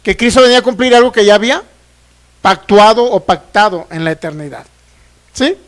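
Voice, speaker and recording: A man with a very high voice teaches from the Bible as a pastor. He reads verses slowly and with weight, then turns to the congregation with quick check questions. He is from Mexico. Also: fairly bright tone. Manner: reads scripture aloud slowly and emphatically.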